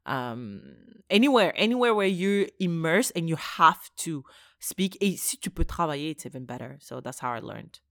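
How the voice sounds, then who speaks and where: A woman's voice: low voice, normal speed, no echo, studio quality. A native French-speaking woman co-hosting a podcast, chatting casually and emphatically with slang, switching between French and English as she tells stories. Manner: animated storytelling, slangy, emphatic. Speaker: podcast co-host.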